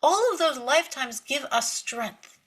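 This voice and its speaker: A woman giving a spiritual Torah lecture, telling stories with lively emphasis, repeating words and laughing lightly between points. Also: high-pitched, measured pace. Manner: animated storytelling with emphatic repetition. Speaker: Torah teacher.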